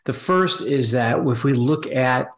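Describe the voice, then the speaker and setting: Medium-pitched man explaining as a guest expert. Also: unhurried. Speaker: podcast guest, finance professor. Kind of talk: conversational analytical explanation.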